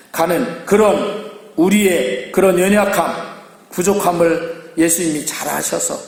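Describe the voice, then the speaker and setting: A man preaching a Sunday sermon as pastor, emphatic and lively, acting out quoted lines. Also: sits high. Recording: echoey church hall.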